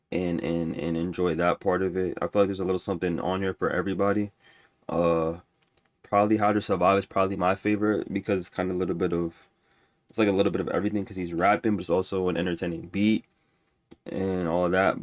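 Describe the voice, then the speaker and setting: A man with a low-pitched, stuffy-nosed voice reviews music by ranking albums. His talk is casual and rambling, full of restarts and fillers, recorded with no room sound.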